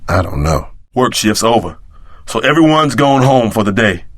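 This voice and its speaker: Brash former security chief for an action game: rough-edged, animated delivery, swaggering slang, out for payback. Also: male voice, fairly low pitch, normal speed, no room sound, clean studio sound. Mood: wary. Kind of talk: video game voice acting.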